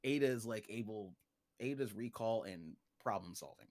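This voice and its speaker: A man's voice: fairly low pitch, lively intonation, normal speed, a little mellow, no echo. A man in a casual livestream chat, explaining a fictional story world in an informal, joking way. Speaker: guest, creator of an original story universe.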